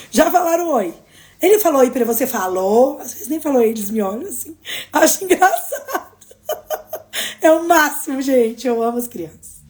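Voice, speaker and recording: High-voiced Brazilian woman, expressive. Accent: Brazilian Portuguese. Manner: expressive, swings between emphatic and soft. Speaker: host of daily live streams. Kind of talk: casual motivational live talk.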